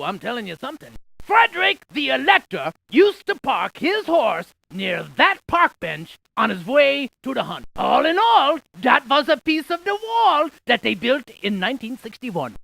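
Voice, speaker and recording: Casting: chatty trivia-loving game scientist, very lively intonation, bright gravelly edge, folksy delivery. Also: high voice, no room sound, heavily acted. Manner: animated, folksy, quippy asides. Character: chatty scientist sharing landmark trivia with a player. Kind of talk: scripted educational video game character dialogue.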